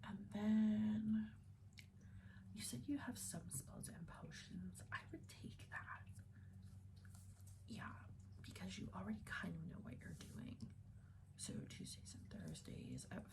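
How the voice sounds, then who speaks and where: A woman performs an ASMR roleplay as a student advisor in a breathy whisper. Her delivery is slow and reassuring, with a crackly fry creeping in. She sounds gentle and takes her time with each phrase. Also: medium pitch, wildly swooping pitch.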